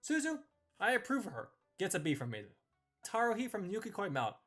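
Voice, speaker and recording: High-pitched, animated man reviewing over music. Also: a little fast. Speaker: video host and reviewer. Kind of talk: scripted commentary ranking characters in a tier list.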